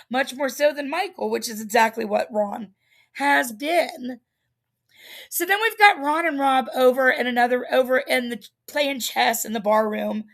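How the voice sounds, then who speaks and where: Slow, high-voiced woman with vocal fry. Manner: chatty, rambling, laughs at herself, many fillers. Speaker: livestream host recapping a reality show. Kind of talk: casual solo recap.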